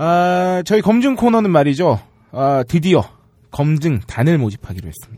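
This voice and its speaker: Pitched fairly high, a man's voice has a dark, mellow tone and very wide pitch swings. He talks at a moderate pace. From Gangwon mountain village, South Korea. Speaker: podcast host. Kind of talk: casual chat. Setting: studio.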